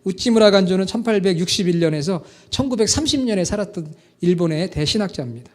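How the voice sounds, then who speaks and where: A man with a high voice preaching to his congregation. He tells a story at an even pace and often turns to ask his listeners what they would do. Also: quick pace. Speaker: pastor. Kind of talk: sermon.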